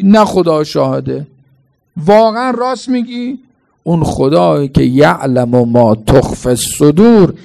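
A man's voice: fairly high pitch, vocal fry, a little mellow. A man preaching a sermon at a mourning gathering, firing rhetorical questions and answering them emphatically.

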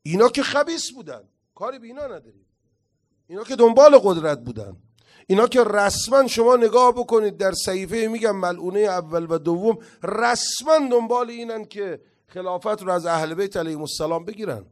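A man giving an impassioned religious lecture as a cleric, reciting Arabic quotations slowly and swinging between loud declaiming and quiet asides. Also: lively intonation. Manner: impassioned, rising to loud declaiming then dropping low.

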